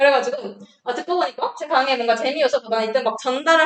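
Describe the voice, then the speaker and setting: Very fast and with lively intonation, a woman speaks in a high pitch. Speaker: student lecturer teaching algorithms. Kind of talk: lecture, reflective talk. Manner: fast-talking.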